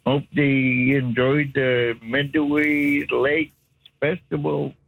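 A man calling in to a radio show, slowly listing greetings to family with pauses. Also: mid-range voice, flat delivery, creaky, dry recording, narrow, tinny audio. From Canadian Arctic. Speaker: caller. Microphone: phone line.

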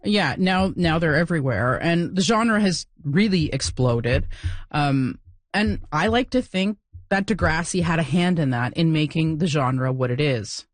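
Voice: medium pitch, lively intonation, measured pace, dry recording. A podcast host earnestly thanking listeners and asking interview questions, with many fillers.

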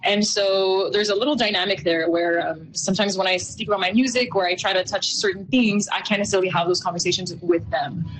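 A young woman from Montreal, a musician guest, chatting relaxed and casual in an interview at a festival, with many fillers. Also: mid-range voice, brisk, slight background noise, low-quality recording. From Canada, Montreal. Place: outdoor festival, in a small shelter.

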